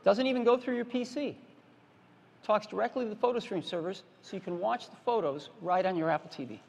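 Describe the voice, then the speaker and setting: A man's voice: high-pitched, fairly quick, creaky, darkish tone. A man presenting a product keynote on a large stage, explaining features in a plain, repetitive, emphatic way. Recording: reverberant conference hall.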